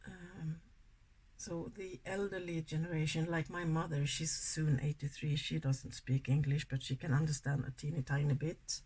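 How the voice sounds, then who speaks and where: A woman's voice: low-pitched, level tone, moderate pace, slightly rough, rough recording. A Swedish woman in her sixties with a Swedish accent, chatting casually and a little ramblingly while doing a makeup tutorial. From Sweden. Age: 60s. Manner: chatty, rambling, soft-spoken. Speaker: beauty vlogger.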